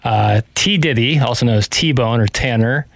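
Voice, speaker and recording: Wry, monotone young-sounding male producer. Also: mid-range voice, moderate pace, gravelly, no room sound. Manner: self-described monotone, wry and modest. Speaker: radio producer. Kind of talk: casual sports radio banter.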